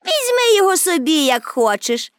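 A woman's voice: very high voice, very animated, normal speed, no echo, clean studio sound, voice pushed up. A woman voicing a bold, cheerful, mighty little girl with a cocky, carefree manner. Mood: dismissive.

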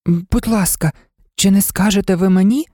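A woman voicing Alice, an earnest and timid young girl who likes to argue, in a storybook reading, her voice pitched well above her own. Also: normal speed, warm tone, no room sound, studio quality, lightly acted. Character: polite, eager young girl.

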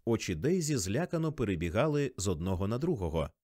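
A man narrating a novel as an audiobook, expressive and measured. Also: on the low side, dry recording, clean studio sound. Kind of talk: scripted literary narration.

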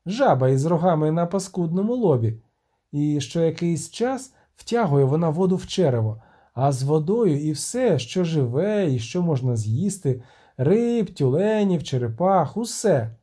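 Brief: fanciful talkative bard from a storybook, read by a man, quick and animated. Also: a little high. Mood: excited. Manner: rambling, excitable chatter. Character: chatty excitable male bard, fanciful and talkative.

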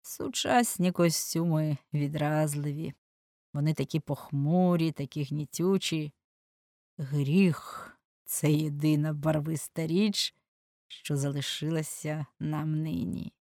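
A woman reader puts on a worldly English lord, languid and mocking. He speaks in a low, unhurried drawl. The recording is dry and close. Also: fairly even intonation, mellow, no echo. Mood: ironic drawl. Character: languid witty aristocratic Englishman, middle-aged.

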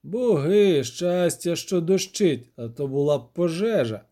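An outraged town mayor who fusses and barks orders, his words drawn out for emphasis, as a male narrator puts him on. The pitch sits high and moves a lot. The tone is mellow. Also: lively intonation, a little slow. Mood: indignant. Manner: indignant, bossy. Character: man, grim town mayor, fussy and indignant.

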